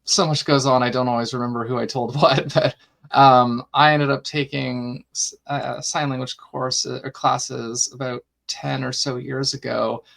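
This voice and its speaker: A man's voice: mid-range voice, flat delivery, measured pace, creaky, a bit bright. A man hosting a podcast, asking questions in a rambling, casual way with many fillers. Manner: rambling, filler-heavy, friendly asides. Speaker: podcast host. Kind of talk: casual interview talk.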